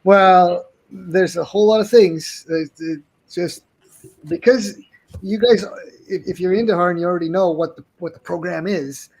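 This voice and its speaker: A man talking as an interview guest about his game products, halting and restarting often. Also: sits high, steady tone, darkish tone, low-quality recording. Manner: halting, restarts with many ums and uhs. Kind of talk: casual interview chat.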